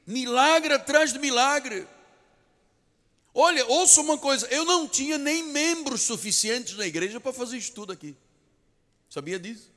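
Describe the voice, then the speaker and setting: Male pastor, Portuguese accent, fairly high voice, emphatic sermon, long church reverb. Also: fairly bright tone. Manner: emphatic, repeats key phrases, storytelling. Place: large church sanctuary.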